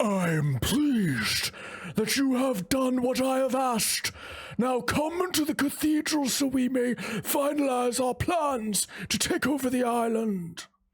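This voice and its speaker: This man does a put-on character voice, pitched extremely high. His delivery comes at a fairly slow pace. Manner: commanding, scheming.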